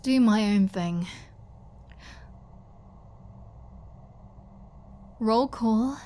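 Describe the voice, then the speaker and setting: A woman's voice: fairly high pitch, takes it slowly, dark tone. A woman voicing a flirty, sarcastic, defiant female vampire in a scripted ASMR audio roleplay. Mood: defiant, mocking. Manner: sarcastic, teasing, playful.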